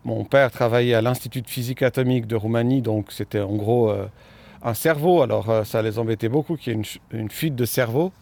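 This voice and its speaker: A creaky, slightly mellow, medium-pitched male voice talks fairly quickly in a conversational interview. The speaker is an author from Romania, walking outdoors, with a light Swiss French accent that has an unplaceable edge, and his manner is thoughtful and hesitant, heavy with fillers.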